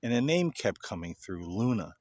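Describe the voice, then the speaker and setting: A man with a low voice talks straight to his viewers as the host of a paranormal video. His delivery is casual and earnest, coming in halting phrases that sometimes trail off. The sound is dry, with very little room around the voice. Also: sing-song, darkish tone, no room sound. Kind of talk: casual explanatory monologue to viewers.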